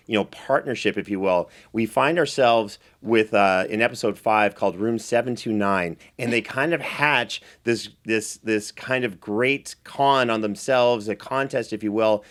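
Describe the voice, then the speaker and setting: A man's voice: lowish voice, fairly bright tone. A man hosting a chatty recap show in an enthusiastic, effusive way. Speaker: podcast host and producer.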